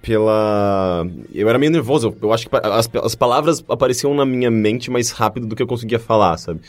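A Brazilian man chatting casually as a podcast co-host, halting and stumbling over his words as he repeats them. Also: medium pitch. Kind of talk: casual conversation. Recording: music behind.

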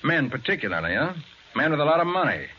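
A man's voice: a little high, very animated, fast talker, pushed and bright. An actor playing a cool, resourceful male private detective in a 1940s American radio crime drama, with an American accent. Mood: grim, knowing. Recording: muffled, noisy 1940s radio recording.

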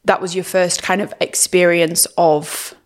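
Low-voiced woman hosting an interview. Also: unhurried. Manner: steady back-channelling, short affirmations. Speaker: podcast host.

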